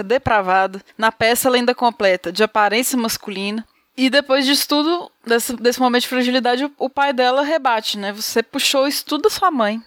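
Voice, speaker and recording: A woman with a slightly high voice talks through a series in a casual podcast chat. She laughs often and keeps checking in with her listener. The sound is dry and close, with no room around it. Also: no echo. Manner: lively, laughs often, says "né" a lot. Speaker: podcast host.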